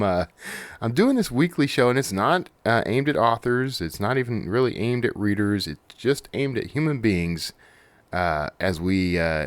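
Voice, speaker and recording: Low-voiced man, animated podcast host. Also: no echo. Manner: rambling, conversational, self-interrupting. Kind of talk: casual solo podcast chat.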